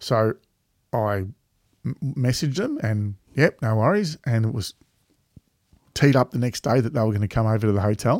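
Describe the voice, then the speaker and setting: Medium pitch from a man with an Australian accent, ordinary pitch variation, a moderate pace and long, frequent pauses, on a very clean recording with a silent background and a dry, close sound with no echo. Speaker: podcast host. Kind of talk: casual chat.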